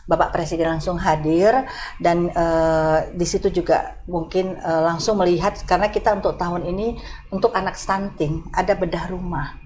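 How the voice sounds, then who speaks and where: A woman who works for the city government, speaking on a panel in a measured way with frequent hesitations. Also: on the low side, steady tone, a little mellow, a little hiss or hum. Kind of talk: casual panel talk.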